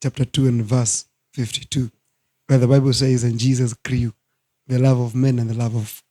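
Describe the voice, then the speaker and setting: Hoarse man, earnest and dark-voiced. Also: medium pitch, flat delivery. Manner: slow, earnest, preacherly. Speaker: guest minister. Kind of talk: studio talk show interview. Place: studio.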